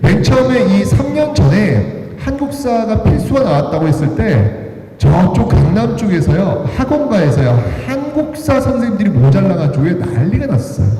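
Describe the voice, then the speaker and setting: A man's voice: high-pitched, warm tone, far from the mic. A man giving a live history lecture, quizzing the audience and counting raised hands. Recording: echoey hall with long reverb.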